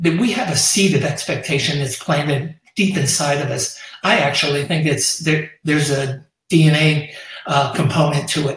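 At a moderate pace, a man talks with ordinary pitch variation, and room echo is audible. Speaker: guest. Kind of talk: interview answer. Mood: upbeat, earnest. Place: home room.

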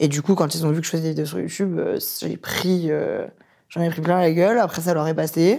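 A woman at a fairly quick pace over a quiet background. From France, countryside near Lyon. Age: 20s. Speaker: YouTuber. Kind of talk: casual interview chat. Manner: animated. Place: studio.

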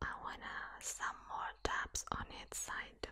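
A woman whispering at a very slow pace. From Russia. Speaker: ASMR creator. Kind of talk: ASMR video, casual talk to camera. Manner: whispered, soft-spoken. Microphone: studio mic.

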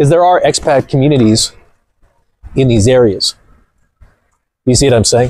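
A man at a medium pitch with ordinary pitch variation, very even loudness, and a moderate pace marked by long, frequent pauses. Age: 40s. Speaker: motivational streamer and dating coach. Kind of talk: live stream monologue. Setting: outdoors, walking while streaming. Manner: loud, shouting; energetic.

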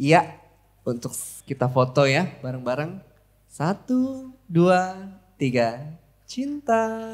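Pausing long and often, a man speaks very slowly at a fairly high pitch, his voice swinging very widely in pitch. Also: quiet background. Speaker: event emcee. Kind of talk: live event hosting. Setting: stage with audience. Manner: animated. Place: hall. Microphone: handheld.

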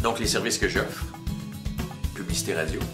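With clear music playing in the background, a man talks at a moderate pace. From Quebec, Canada. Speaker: voice actor. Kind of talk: casual talk to camera. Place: studio.

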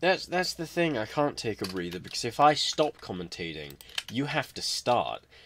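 Pitched at a medium level, a man's voice shows vocal fry and very wide pitch swings. He speaks at a moderate pace. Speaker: gaming commentator. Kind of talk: gameplay commentary.

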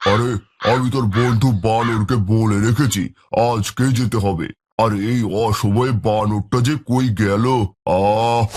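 Using a cartoonish character voice, a man speaks at a medium pitch and a moderate pace. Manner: pompous, blustering.

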